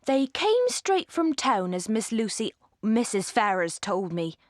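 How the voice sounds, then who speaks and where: A man's voice: sits high, very animated, a little slow, no room sound, studio quality. A woman voicing a deferential, plain-spoken manservant, chatty with his news, in an audiobook. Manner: deferential, dialect turns of phrase.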